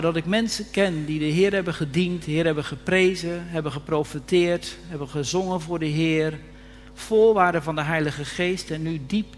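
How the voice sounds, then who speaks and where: Fervent high-voiced male preacher. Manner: earnest, rising to fervent emphasis. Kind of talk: sermon. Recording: reverberant hall with faint hum.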